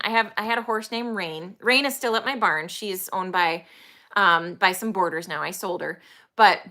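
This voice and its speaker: A woman's voice: mid-range voice, pushed and bright. A woman in her forties, chatting casually to camera about her animals, rambling and enthusiastic with plenty of ums. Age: 40s. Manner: enthusiastic, emphatic. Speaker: horse trainer and channel host. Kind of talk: casual vlog talk to camera.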